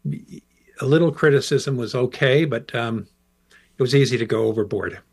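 A middle-aged American man, a professor and interview guest, answering in a relaxed, rambling way with fillers. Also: medium pitch, normal speed, husky. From United States.

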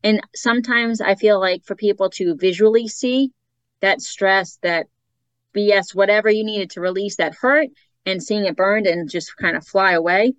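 A woman's voice: medium pitch, normal speed, dry recording. A woman with a Boston accent, a psychic guest chatting casually about her offerings and readings. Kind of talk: casual chat.

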